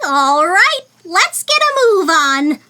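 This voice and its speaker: A woman plays a young female monkey guiding visitors. The voice is extremely high and bright, with lively swings. She sounds upbeat and sensible in an audio drama. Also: slow pace, slight background noise, exaggerated voice. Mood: cheerful. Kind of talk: fan audio drama acting.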